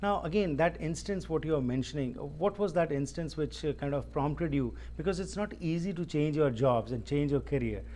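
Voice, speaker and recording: A man hosting his own talk show, who introduces guests and asks long questions in a formal, measured way. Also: a little high, mellow, slight background noise.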